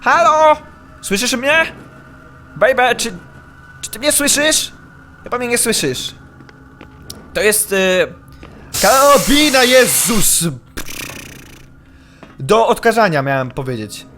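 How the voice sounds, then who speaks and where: A young man commenting on a horror game he is playing, excitable, yelping when startled and muttering while he sneaks. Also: sits high, slow pace, pauses often, faint music behind. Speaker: gaming YouTuber.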